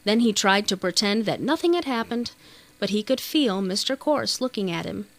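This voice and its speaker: A woman reading a children's novel as an audiobook narrator, in a measured, expressive storytelling manner. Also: medium pitch.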